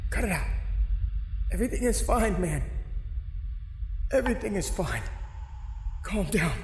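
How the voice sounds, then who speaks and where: An actor playing a terrified male prisoner in a horror audio drama, brooding and halting as he recounts solitary torment and slips into panic. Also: high-pitched, very animated, a little hiss or hum, full character voice. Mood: self-soothing panic. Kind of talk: first-person horror audio drama narration. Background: music.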